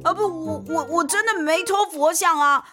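A woman's voice: very high-pitched, normal speed, music in the background, pitched above the performer's own voice. A woman voicing a glib young man caught stealing, who makes wheedling, stammering excuses. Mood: flustered.

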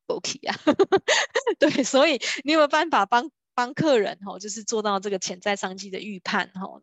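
A woman's voice: mid-range voice, creaky, no room sound. A woman, talking about a sales book in a casual lecture style, full of little fillers and acted-out quotes. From Taiwan. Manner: chatty, many fillers like 哈 and 哦, acts out quoted people. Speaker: book-sharing speaker on B2B sales.

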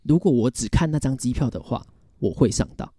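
Animated, foul-mouthed Taiwanese man. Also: medium pitch, a little fast, no echo, studio quality. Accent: Taiwanese Mandarin. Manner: animated storytelling, blunt and profane, mimics others' voices. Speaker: podcast co-host. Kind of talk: casual chat.

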